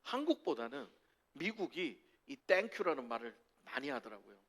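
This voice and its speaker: A man's voice: a little high, very animated, moderate pace, fairly bright tone. A man from Korea preaching a sermon as pastor, asking rhetorical questions and mixing humor into his preaching.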